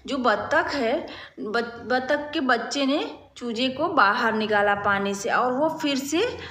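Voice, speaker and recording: A patient woman teacher reads a picture story to small children and explains it with simple questions. She speaks very slowly, in a slightly high voice. The room around her rings with a noticeable echo. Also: animated, fairly bright tone, a little hiss or hum. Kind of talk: reading a storybook lesson to young children.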